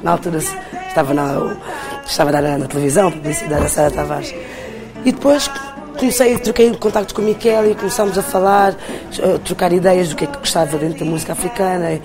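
A Portuguese woman with a European Portuguese accent and a deep, thick voice casually tells her story as a singer being interviewed. She speaks fairly quickly, with music in the background.

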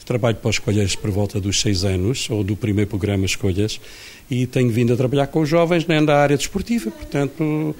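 A man's voice: mid-range voice, a little mellow, slight background noise. A man working as a youth sports instructor, explaining his work plainly with many fillers. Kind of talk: interview.

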